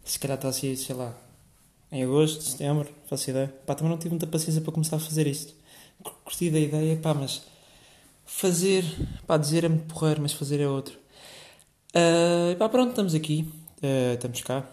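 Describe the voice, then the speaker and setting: A man's voice: a little high, fairly quick, a little mellow. A young man with a European Portuguese accent hosting a casual solo podcast, rambling and swearing freely with lots of filler words. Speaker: podcast host. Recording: echoey room.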